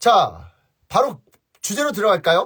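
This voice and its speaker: The man's voice is high-pitched. He talks at a fairly slow pace. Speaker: evangelist. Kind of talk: live-streamed sermon talk. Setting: live stream. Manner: casual, halting with fillers.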